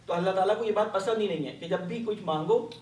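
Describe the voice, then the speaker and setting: A man teaches the Quran patiently, regularly posing questions to his class and then answering them himself. His voice is high for a man, with a somewhat dark tone. He is heard from off-mic, at a distance, in a large mosque hall full of echo, as he explains a religious lesson.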